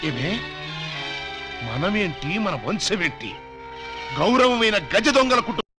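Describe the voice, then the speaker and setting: An actor playing the blustering male head of a family of thieves, who scolds and gives orders loudly. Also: high-pitched, very animated, unhurried. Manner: loud scolding and commanding. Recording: film soundtrack with music behind.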